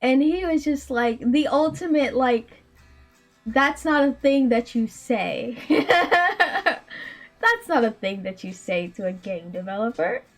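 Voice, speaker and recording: High-voiced young woman telling a story. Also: slow, soft background music. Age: late 20s. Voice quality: very high, small voice. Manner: animated, laughs often, frequent likes and ums. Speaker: indie game developer and streamer. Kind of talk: casual storytelling on a stream.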